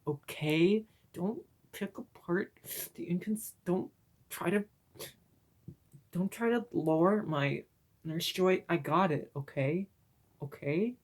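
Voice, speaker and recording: A man reading a creepypasta aloud in a put-on spooky voice, breaking off for sarcastic comments to the listener. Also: high-pitched. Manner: sarcastic asides mid-reading; deliberately drawn-out spooky delivery. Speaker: creepypasta reader. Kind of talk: mock-spooky comedic story reading.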